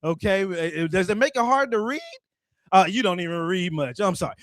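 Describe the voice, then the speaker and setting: A man's voice: sits high, lively intonation, fairly quick, a bit bright, dry recording, studio quality. A man giving casual, profane ranting commentary, laughing often and mocking someone.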